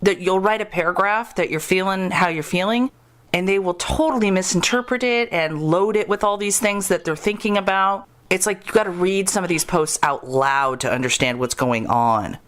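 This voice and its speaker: A woman's voice: fairly low pitch, moderate pace. A woman hosting a podcast, chatting casually in an interview and acting out what other people say in a chatty way. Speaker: podcast host.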